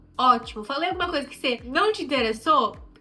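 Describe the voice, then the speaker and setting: Projecting her high voice over music in the background, a woman talks at a fairly quick pace with lively intonation. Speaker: youtuber on living abroad. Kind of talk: casual vlog talk to camera. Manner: animated.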